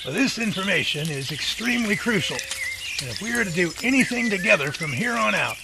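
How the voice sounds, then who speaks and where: A man's voice: high-pitched, lively intonation, fairly quick, gravelly. A man playing a folksy, jovial, long-winded Bigfoot research professor in an audio drama. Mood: mock grave. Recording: heavy outdoor nature noise behind voice.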